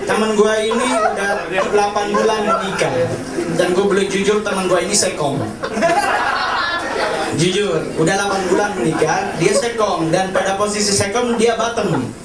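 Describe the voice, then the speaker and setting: A man's voice: sits high, steady tone, moderate pace, heavy background noise. A man doing a stand-up set at an open mic, speaking in a confessional way and acting out other people's lines. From Indonesia. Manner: confessional, keeps repeating "honestly", acts out other people's lines. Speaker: stand-up comedian. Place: comedy cafe stage before a laughing audience. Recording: echoey club sound from a distance, loud crowd laughter.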